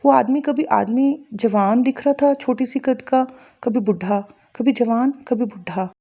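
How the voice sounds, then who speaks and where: A woman's voice: fairly high pitch, unhurried, highs cut off. A woman earnestly recounting a personal spiritual experience to her viewers, repeating phrases as she relives it. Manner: earnest, repetitive, intense retelling. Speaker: spiritual storyteller. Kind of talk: personal story told to viewers.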